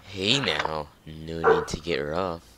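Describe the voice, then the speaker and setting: A seductive black hedgehog. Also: male voice, fairly even intonation, takes it slowly, very noisy. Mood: teasing. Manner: low, soft, smooth and teasing.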